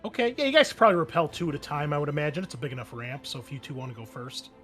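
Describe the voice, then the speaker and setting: A man's voice: a little high, sing-song, very fast, fairly bright tone, faint music behind. A man working as game master, narrating and refereeing a tabletop roleplaying game in a casual way.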